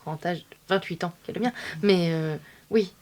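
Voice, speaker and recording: A woman's voice: on the low side, normal speed, darkish tone. A woman playing in an improvised roleplay, chatting casually in character.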